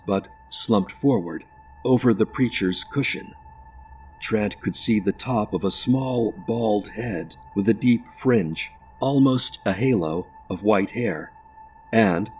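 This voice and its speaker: A man narrating a ghost story audiobook in a measured, deliberate way. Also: on the low side, darkish tone, a little hiss or hum.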